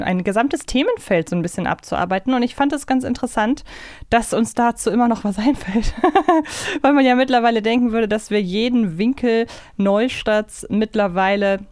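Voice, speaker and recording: Woman, smooth clear voice, dry close sound, casual podcast co-host. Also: mid-range voice, darkish tone, no echo.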